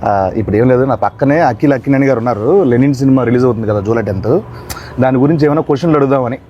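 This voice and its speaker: A man's voice: medium pitch, very fast, muffled recording, slight background noise. A man hosting a casual, playful interview in a jokey, coaxing way. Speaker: interviewer, show host.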